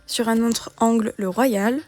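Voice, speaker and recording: A woman calmly narrating a step-by-step nail art tutorial as a voice-over, in a plain explaining tone. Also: on the high side, measured pace, faint music behind.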